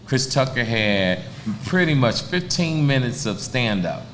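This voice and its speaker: A man's voice: medium pitch, big pitch swings, measured pace, fairly bright tone, slight background noise. A man in his sixties, a stand-up comedian telling stories in a laid-back, streetwise way during a casual interview. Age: 60s.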